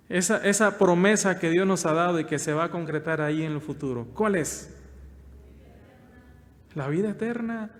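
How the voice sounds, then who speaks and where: A man preaching an expository sermon, putting questions to the congregation and answering them himself in a slow, emphatic delivery. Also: high voice. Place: church. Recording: reverberant church hall.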